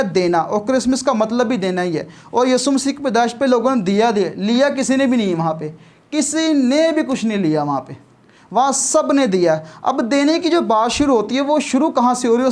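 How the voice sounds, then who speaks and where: A male pastor preaching a sermon and leading a prayer, repeating his phrases in stacked runs and dropping English words into Urdu-flavored Hindi. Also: extremely high pitch. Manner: repetitive, stacked phrases of praise.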